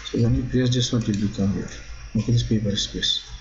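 A man with a fairly low voice gives a screen-recorded software tutorial in halting. He stops often on "okay" as he walks through each step. The sound is dull and lo-fi, from a basic computer mic. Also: fairly even intonation. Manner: halting, repeats "okay" often, non-native phrasing. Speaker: drafting instructor.

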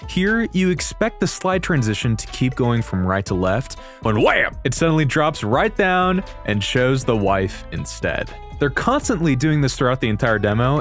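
A young man giving enthusiastic, casual, slangy reaction commentary on videos in an excitable manner. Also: mid-range voice. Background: music from game trailers.

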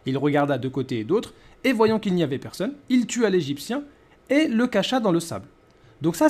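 A man's voice: fairly high pitch, a little mellow. A man in his thirties giving a conversational rebuttal as a video host, with mocking, rhetorical questioning. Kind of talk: conversational rebuttal commentary to camera.

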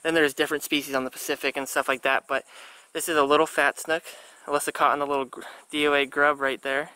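A man's voice: on the high side, flat delivery, fast talker, bright, forceful tone, smooth, no echo. A young American man chatting casually as a fishing vlogger on a boat. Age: young adult. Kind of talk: casual vlog chat. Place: outdoors on a small boat on backwater. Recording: outdoor boat noise, water ambience.

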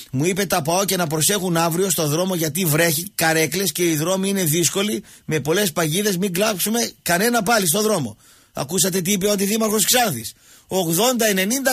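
A man hosting a radio show, telling jokey stories and talking with callers in an animated way. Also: sits high, husky, dry recording. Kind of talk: casual radio talk.

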